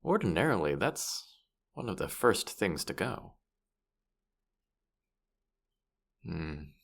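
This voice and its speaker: Casting: man to play boastful, teasing male demon guide for fantasy audio drama; low, creaky voice, patronising air. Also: big pitch swings, a little slow, a bit bright, heavily acted. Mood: matter-of-fact, musing. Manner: condescending, playful, exasperated. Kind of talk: roleplay audio drama, addressing the listener.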